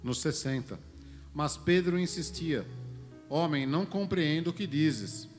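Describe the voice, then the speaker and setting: A man's voice: a little high, unhurried. A man reading Bible verses aloud during a church service. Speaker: scripture reader at a church service. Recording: long hall reverb, music behind.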